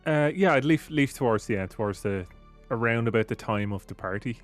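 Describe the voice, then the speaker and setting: A man's voice: medium pitch, animated, fairly quick, faint music behind. Casual man playing a tabletop game. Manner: casual, chuckling, thinking out loud. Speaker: player.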